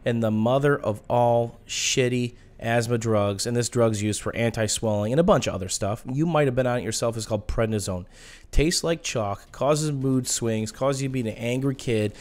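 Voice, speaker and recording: Short-winded, raspy man doing game commentary. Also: medium pitch, normal speed, darkish tone. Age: adult. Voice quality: raspy smoker's-cough sound. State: short-winded, audible methodical breathing. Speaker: gaming video host. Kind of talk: video game commentary mixed with personal storytelling.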